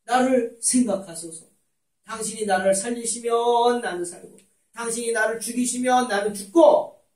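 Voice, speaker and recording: A man preaching voices a humble, repentant male thief dying on a cross, speaking in a hushed, pleading way. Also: very high voice, moderate pace, voice pushed up. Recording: echoey church room, distant mic.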